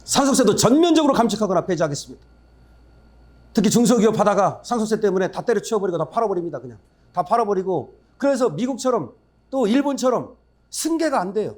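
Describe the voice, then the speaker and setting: A man's voice: high-pitched, very animated, quick pace, darkish tone. A man giving a political speech at a forum, emphatic and blunt, firing rhetorical questions at the audience. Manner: blunt, scornful asides. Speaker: forum speaker.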